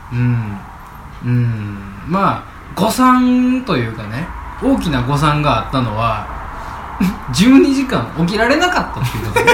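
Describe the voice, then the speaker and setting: Amid noticeable background noise and audible room echo, a man with a Kansai accent speaks at a fairly slow pace, leaving long, frequent pauses. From Osaka, Japan. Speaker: podcast co-host. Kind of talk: casual chat.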